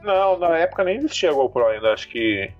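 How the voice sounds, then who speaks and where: A man's voice: fairly high pitch, sing-song, quick pace, highs cut off, faint music behind. A Brazilian man with a Brazilian Portuguese accent, a podcast guest telling stories in a shy, self-deprecating way, full of fillers. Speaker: guest, content creator. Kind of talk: casual podcast conversation.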